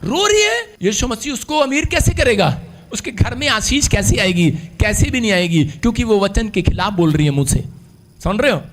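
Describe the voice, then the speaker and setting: High-pitched shouting preacher man. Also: sing-song, moderate pace. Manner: swings between shouting and hushed asides, laughs often. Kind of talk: energetic sermon with call-and-response.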